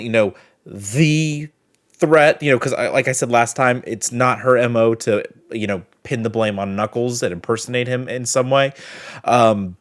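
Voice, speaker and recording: A man hosting a reaction video with casual, rambling, chatty commentary. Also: mid-range voice.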